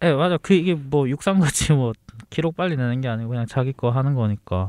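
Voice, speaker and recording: A man at medium pitch, lively intonation and a fairly quick pace. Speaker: painter. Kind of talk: interview.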